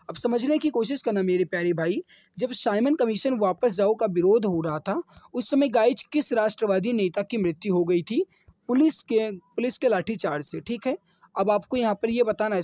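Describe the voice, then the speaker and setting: Slightly hoarse male teacher, dry close sound. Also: sits high, darkish tone, no echo. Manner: repetitive, addresses viewers as dear brothers and friends. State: slightly hoarse, sore throat. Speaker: exam coaching teacher. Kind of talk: online quiz lesson with answers explained.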